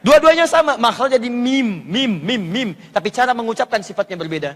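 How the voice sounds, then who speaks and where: A male Islamic preacher giving a lecture on Quran pronunciation, animated, repeating letter sounds to demonstrate them and coaching volunteers. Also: extremely high pitch, fairly quick. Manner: coaches audience volunteers in front of a crowd. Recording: long hall reverb.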